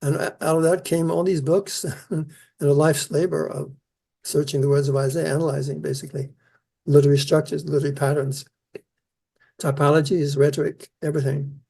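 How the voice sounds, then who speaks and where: Gravelly older man, earnest scholar. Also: fairly high pitch, flat delivery, mellow. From Netherlands, raised in New Zealand. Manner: earnest, measured, with restarts. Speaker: Isaiah scholar, keynote speaker. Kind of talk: interview answers.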